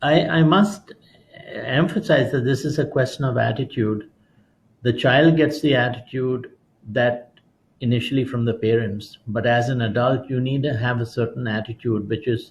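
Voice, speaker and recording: Moving at a moderate pace, the voice is somewhat breathy and its pitch varies in an ordinary way. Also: man, medium pitch for a man. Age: 60s. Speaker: public health NGO leader. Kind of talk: interview.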